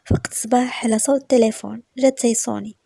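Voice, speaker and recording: A woman with a Moroccan accent narrating a romance story in the first person, in a soft, often whispered delivery. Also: on the high side, steady tone, very fast, gravelly, husky, no echo.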